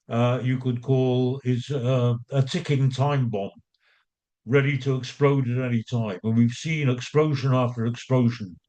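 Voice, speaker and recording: A man chairing an online meeting, introducing the session and the first speaker with frequent pauses and fillers. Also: medium pitch, mellow, dull audio. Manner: hesitant, many fillers and restarts. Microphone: video call.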